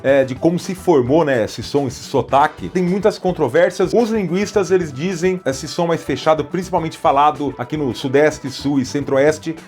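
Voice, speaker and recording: A man's voice: a little high, normal speed, few pauses. Brazilian guy explaining stuff, chatty and loose, lots of little uhs, faint music underneath. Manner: relaxed, conversational, with frequent filler hesitations. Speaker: presenter. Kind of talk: educational explainer.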